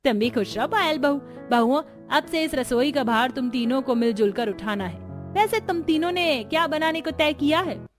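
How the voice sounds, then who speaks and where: Brief: woman as a stern, dignified mother-in-law, slightly high voice, firm delivery. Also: expressive, moderate pace, faint music behind. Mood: determined. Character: stern traditional middle-aged mother-in-law.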